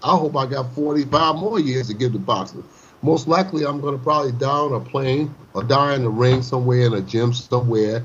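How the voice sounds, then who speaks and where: With hardly any pauses and a fairly quick pace, a man at medium pitch speaks in a somewhat breathy voice with ordinary pitch variation, and the room echo is audible. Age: 60s. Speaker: boxing trainer. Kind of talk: casual interview. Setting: online call.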